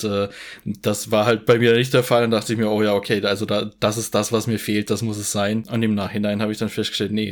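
Relaxed man in his forties. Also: medium pitch. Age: 40s. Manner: reflective, with many fillers. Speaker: podcast host. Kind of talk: casual podcast chat.

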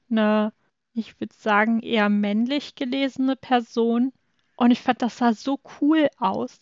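A woman's voice: on the high side, dry recording. A woman co-hosting a casual podcast, reading survey answers and chatting enthusiastically. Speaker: podcast co-host. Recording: dull lo-fi microphone.

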